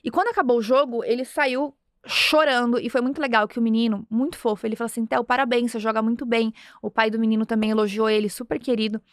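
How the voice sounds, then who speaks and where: A high-pitched woman from Brazil in her thirties tells a personal story as a podcast host. She speaks earnestly and with animation, slipping into the voices of the people in her story. The sound is dry and close, with no room echo. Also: fast. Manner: earnest, animated, acts out dialogue. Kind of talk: motivational storytelling.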